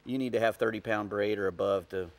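A man's voice: lowish voice, fairly even intonation, fast talker. A middle-aged man giving fishing tips in a casual studio chat, folksy and rambling with frequent restarts. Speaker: fishing guest expert. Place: TV studio set.

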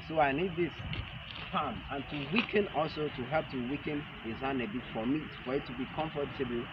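Man, self-defense instructor, halting repeated short phrases, muffled distant camera audio, very noisy open-air setting. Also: mid-range voice. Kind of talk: hands-on demonstration lesson. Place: large open concrete outdoor arena with stepped stands. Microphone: camera a few metres away. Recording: muffled outdoor camera audio, loud ambient noise. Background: loud outdoor ambient noise.

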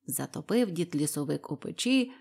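A woman narrating a storybook fairy tale in a gentle, unhurried manner. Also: low-pitched, expressive, creaky, husky.

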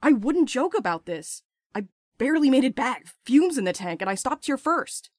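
A woman's voice: high-pitched, very animated, moderate pace, darkish tone, dry recording, studio quality. An actress playing a brash, impulsive young woman with crude, sarcastic banter in an audio drama. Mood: urgent. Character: brash, playful, impulsive young postal worker friend.

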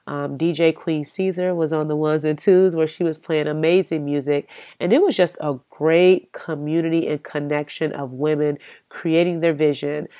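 With a low-pitched, warm, steady voice, this U.S. podcast host talks at normal speed and hardly pauses on her solo show. Her tone is encouraging and chatty, dotted with ums, and a cold leaves her sounding stuffy.

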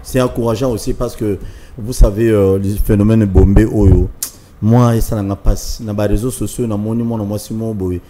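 A middle-aged Congolese talk show host with a mellow, dark tone. He speaks calmly and in a measured way, asking his guest questions. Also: lowish voice, a little hiss or hum. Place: TV studio.

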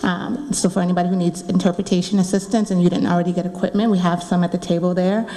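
A woman's voice: lowish voice, little pitch movement, fast talker, mellow. A woman in her forties giving housekeeping announcements to an audience at a town hall meeting from a podium microphone. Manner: friendly, coaxing the audience. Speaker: school district community engagement officer. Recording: long reverb of a meeting room.

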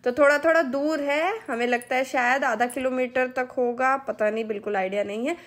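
Woman vlogger, 30s, Hindi accent, high voice, chatty step-by-step phone narration. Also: steady tone, brisk. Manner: chatty, explains step by step to viewers. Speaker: family vlogger. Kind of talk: casual vlog narration.

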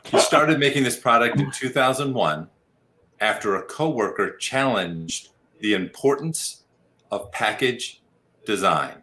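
Game show host, male, middle-aged, medium pitch with a crisp bright edge, running an online guessing game. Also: lively intonation, a little slow, poor audio. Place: home room on a video call.

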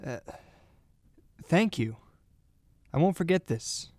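A man's voice: fairly high pitch, expressive, slow, very noisy. A man playing a reckless young gunman. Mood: pleading. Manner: defensive, pleading. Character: reckless young male gunman Charlie, defensive. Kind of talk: amateur radio drama.

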